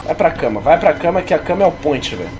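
A man in his thirties from Brazil streaming a horror game, swearing constantly and yelping in fright, his voice going hoarse. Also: a little high, sing-song, quick pace. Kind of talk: live gameplay commentary. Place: home streaming room. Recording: game music underneath.

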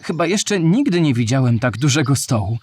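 A man's voice: medium pitch, very animated, moderate pace, background noise, lightly acted. A man playing a curious, wondering young boy in an educational audio play for children. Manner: inquisitive, wondering. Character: curious young boy listening to history tales.

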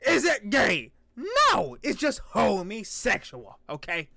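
High-pitched, animated young man reacting. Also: takes it slowly, creaky. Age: young adult. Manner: playful, joking, exclamatory. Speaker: reaction video host. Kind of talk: casual reaction commentary. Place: small indoor room.

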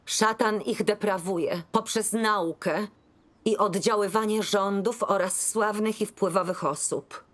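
A woman in a dubbed film, reading a religious passage aloud in a measured, solemn way. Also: lowish voice.

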